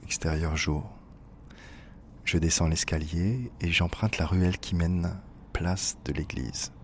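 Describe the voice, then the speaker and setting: Guy with a really low voice reading a personal story, slow and close, calm delivery. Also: slight background noise. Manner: intimate, measured reading. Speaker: narrator. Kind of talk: scripted literary narration.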